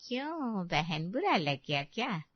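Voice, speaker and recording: A woman's voice: mid-range voice, sing-song, takes it slowly, no echo, lo-fi sound. A woman voicing a mocking older female neighbor in a cartoon story. She teases and cackles at her rival. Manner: teasing, cackling laughter. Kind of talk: Hindi cartoon story voice acting.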